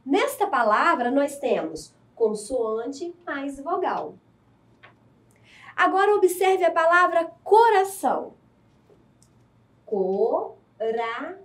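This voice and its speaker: A woman teacher giving a recorded lesson to adult learners, explaining slowly and clearly. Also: sits high, sing-song, a bit bright. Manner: slow, clear, deliberate explaining.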